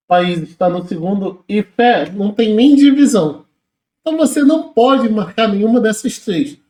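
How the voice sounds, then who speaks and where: A man's voice: high-pitched, a little mellow, reverberant. A man with a Brazilian accent teaching a lesson, informally talking through exam questions step by step and asking rhetorical questions. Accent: Brazilian Portuguese. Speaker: Portuguese teacher.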